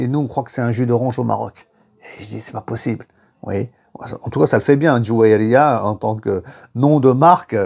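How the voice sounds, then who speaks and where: A French-born man giving an animated religious lesson, telling anecdotes and repeating phrases for emphasis. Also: medium pitch. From France. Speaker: religious teacher. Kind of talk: lively lecture on faith and history.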